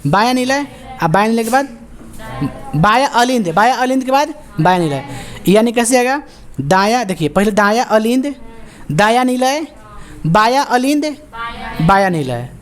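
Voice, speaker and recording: A woman teacher with a Bihari Hindi accent, lecturing a class and firing quick call-and-response questions, joking and scolding as she goes. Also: on the high side, animated. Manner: quizzing students with rapid call-and-response questions.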